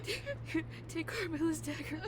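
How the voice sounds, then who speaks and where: A woman playing a wounded, devoted reaper demigod in an audio drama, crying and halting through pain. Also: very high-pitched, lively intonation, background noise. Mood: pleading, strained. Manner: tearful, halting, strained speech with stammered repeats.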